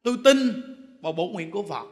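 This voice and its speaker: Animated high-voiced monk. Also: male voice, fast. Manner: animated, lively storytelling with loud bursts and chuckles. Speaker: Buddhist monk teacher. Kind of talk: Buddhist dharma talk. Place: temple hall. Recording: long hall reverb.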